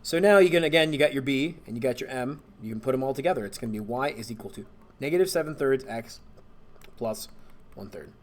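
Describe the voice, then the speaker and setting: A man, a math teacher, relaxed and thinking aloud as he walks through homework problems and corrects himself along the way. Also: medium pitch, fast talker, slight background noise. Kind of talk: homework walkthrough screencast.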